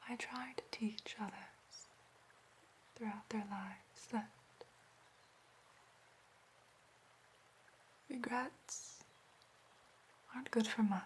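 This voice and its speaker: Woman playing an ancient whispering elf, slow whispered role-play. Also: fairly high pitch, steady tone, slight background noise, rough recording. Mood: wistful, solemn. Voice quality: soft, breathy whisper. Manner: elf-like, measured, solemn, formal and soothing. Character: ancient, gentle, formal elf therapist and magic practitioner.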